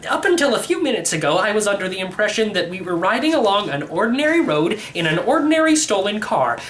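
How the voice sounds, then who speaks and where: A man's voice: very high voice, fairly bright tone, a little hiss or hum, pitched above the performer's own voice, exaggerated voice. A man voicing an anxious, bewildered young boy in a storybook, fretful and full of questions. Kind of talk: storybook character reading.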